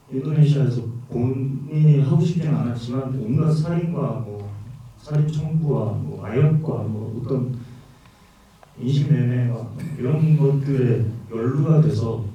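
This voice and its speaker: A man's voice: medium pitch, dark tone, highs cut off. A man from Busan, an actor answering audience questions, candid and wry, heard from afar in a cinema hall. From Busan, South Korea. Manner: candid, wry, thinks aloud. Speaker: film actor at a post-screening Q&A. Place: cinema auditorium. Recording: echoey cinema hall, distant mic.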